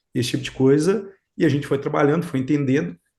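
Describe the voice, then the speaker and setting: A man speaks at a very fast pace in a fairly high pitch for a man. His voice is somewhat breathy. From Minas Gerais, Brazil. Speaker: company co-founder, telemetry engineer. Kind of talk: live-stream interview, technical chat. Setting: live stream. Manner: halting, frequent repetitions and fillers.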